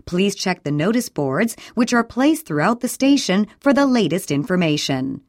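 A woman reading a scripted train station announcement in a measured, formal way with careful enunciation. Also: medium pitch, big pitch swings, darkish tone, dry recording, studio quality. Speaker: recorded station announcer for listening practice.

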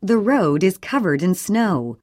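A woman's voice: mid-range voice, no room sound, clean studio sound. Woman reading English drill sentences. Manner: clear, even, deliberate reading. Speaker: English audio reader.

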